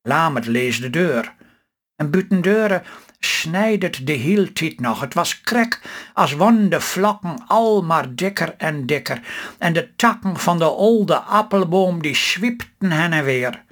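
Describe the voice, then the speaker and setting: A man reading aloud his own humorous story in Stellingwerf dialect, with a steady homely storytelling manner. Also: fairly high pitch, a little slow. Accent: Stellingwerf Low Saxon dialect.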